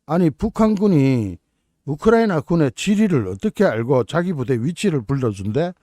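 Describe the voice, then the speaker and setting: A man's voice: a little high, big pitch swings, moderate pace, warm tone, no echo, studio quality. A man hosting his own channel, commenting on the news in a mocking, incredulous way. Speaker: political YouTube channel host.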